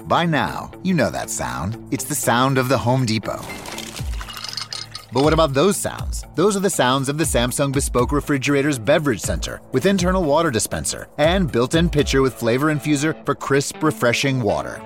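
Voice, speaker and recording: A man's voice: medium pitch, big pitch swings, moderate pace. A man reading a scripted advertising voice-over as a commercial announcer. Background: prominent music.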